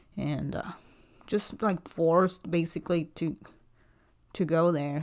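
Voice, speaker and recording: The recording is very clean, with a silent background. A woman speaks in a fairly low voice with fairly even intonation. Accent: Guatemalan. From Guatemala. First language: Spanish. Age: 30s. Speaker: podcaster sharing personal experiences. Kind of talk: solo personal monologue, casual. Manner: halting, hesitant with many fillers.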